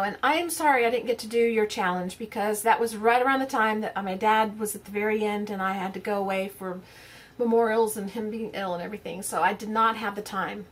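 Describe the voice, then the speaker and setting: A woman, chatting casually to her craft channel's viewers in a rambling way, full of fillers and restarts. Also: a little high. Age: 50s. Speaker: crafting vlogger. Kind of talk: casual chat to camera.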